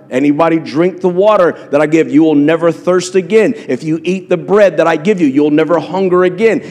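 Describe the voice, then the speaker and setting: A man delivers a sermon in a church, pressing his points again and again with fillers and restarts. His voice sits fairly high for a man. The church hall rings with a long reverb around him. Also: darkish tone. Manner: impassioned, repetitive preaching with frequent fillers. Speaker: pastor.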